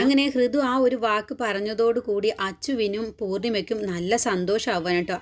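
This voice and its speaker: A woman narrating a casual recap of a television serial, talking in a chatty way and adding friendly tag words to her sentences. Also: medium pitch. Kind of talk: casual spoken story retelling.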